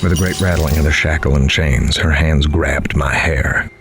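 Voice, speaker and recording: Very deep-voiced, grim reporter. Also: male voice, steady tone, moderate pace, a bit bright, slight background noise. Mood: tense, dark. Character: grim, dogged male crime reporter recounting a prison interview. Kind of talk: noir-like scripted horror narration.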